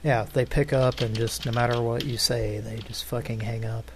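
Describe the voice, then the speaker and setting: A man's voice: mid-range voice, steady tone, moderate pace, background noise. A man hosting a prank-call show in casual chat, rambling and joking and laughing often. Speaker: host.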